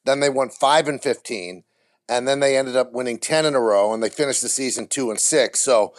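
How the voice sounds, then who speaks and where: A man's voice: mid-range voice, fairly quick. Blunt, candid man giving an interview. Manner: candid, blunt, talks in vivid comparisons. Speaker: baseball TV play-by-play announcer, guest.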